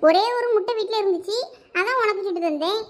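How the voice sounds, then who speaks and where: Someone doing a scolding cartoon mom, thoothukudi accent, really high squeaky voice, fast. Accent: Thoothukudi Tamil. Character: scolding mother who favors her son. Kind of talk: cartoon voice acting.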